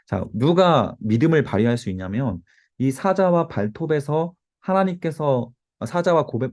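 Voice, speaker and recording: A man's voice: fairly low pitch, darkish tone. A man teaching a Bible study to a youth group, explaining and exhorting while giving note-taking cues.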